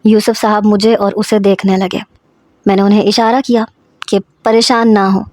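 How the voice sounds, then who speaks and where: A woman's voice: mid-range voice, flat delivery, darkish tone, dry recording. Woman telling a story, dry close voice. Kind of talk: scripted story narration.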